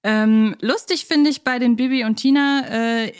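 A woman's voice: on the high side, a little slow, smooth. A woman co-hosting a podcast in casual chat, talking like an enthusiastic fan who thinks aloud. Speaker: podcast co-host. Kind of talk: casual chat about children's audio plays.

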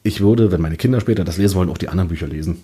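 Male panelist for casual review chat, dark relaxed tone with a raspy edge. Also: deep voice, very fast. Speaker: podcast panelist. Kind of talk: casual book review discussion.

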